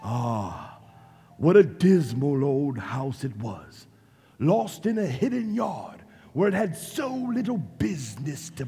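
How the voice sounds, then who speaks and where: A man narrating a stage radio play as a theatrical, measured, suspenseful storyteller with a creaky voice. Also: fairly high pitch, dark tone. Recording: reverberant hall, music behind.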